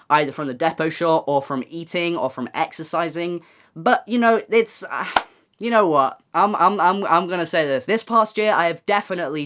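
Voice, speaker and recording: A man's voice: high-pitched, bright, forceful tone. Chatty young trans man vlogging. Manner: chatty, rambling, self-deprecating. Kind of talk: casual update vlog.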